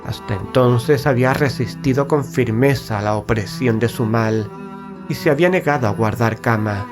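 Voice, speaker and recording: A man playing an uneasy, observant gentleman who narrates a gothic horror tale in a measured, solemn way. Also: medium pitch, lightly acted. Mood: somber. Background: music.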